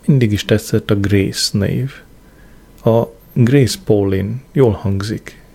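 A man reading a first-person diary novel aloud as an audiobook, in a measured, dry way, giving small voices to the quoted lines. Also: on the low side, gravelly, dark tone, slightly rough. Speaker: audiobook narrator. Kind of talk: scripted first-person narration.

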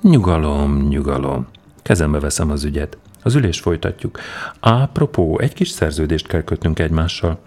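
A man voicing a cocky young male swindler who talks smoothly and mocks the people around him. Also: a bass voice, a little mellow. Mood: sly, mocking. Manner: mocking, self-assured, brisk.

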